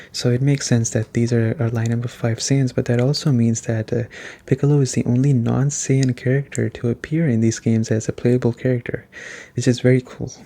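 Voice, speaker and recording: Soft-spoken man, low-key and even-toned. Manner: casual, conversational. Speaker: video game reviewer. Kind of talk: soft-spoken ASMR game review.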